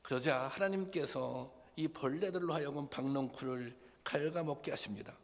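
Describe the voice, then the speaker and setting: A man's voice: mid-range voice, moderate pace, vocal fry. A male pastor preaching a sermon, asking the congregation rhetorical questions and sometimes voicing the figures in a plain conversational tone. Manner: acts out quoted lines in a plain conversational voice. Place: church sanctuary. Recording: long hall reverb.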